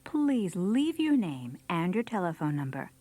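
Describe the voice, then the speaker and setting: A woman playing a melodramatic, pleading person in a hushed, breathy voice for a comic phone greeting. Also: fairly low pitch, sing-song, unhurried.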